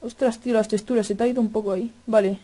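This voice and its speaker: A male gaming YouTuber with a Spain Spanish accent, doing excitable horror let's-play commentary at a desk microphone, swearing often and yelling at scares. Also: sits high, very fast. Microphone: desk microphone at a computer.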